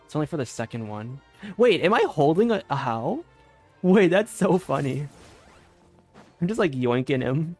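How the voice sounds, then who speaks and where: A woman's voice: low voice, big pitch swings, moderate pace, long pauses, a little mellow, faint music behind. A young woman giving casual live commentary as a game streamer.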